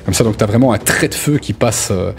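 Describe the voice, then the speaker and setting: A man's voice: on the low side, a little fast. A man narrating a tabletop role-playing game as game master, describing scenes in a hesitant, repetitive way. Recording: background music under the voice.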